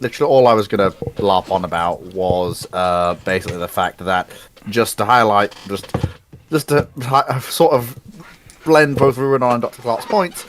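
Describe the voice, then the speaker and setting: A man with a medium-pitched voice talks informally on a livestream panel. He is halting and repeats words while working toward his point. A little noise sits behind him. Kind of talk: casual livestream chat.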